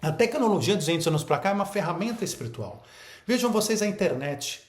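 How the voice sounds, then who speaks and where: A man's voice: sits high, sing-song, quick pace, echoey room. A man giving a spiritual talk to an online audience, emphatic and full of rhetorical questions and repeated phrases. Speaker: spiritual teacher.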